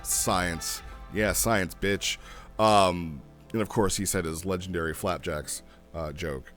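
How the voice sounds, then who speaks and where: Male reviewer, lowish pitch, loose off-the-cuff delivery that wanders, music underneath. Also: steady tone, slow, a bit bright. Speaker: host reviewing a text role-play log. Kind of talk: casual unscripted commentary.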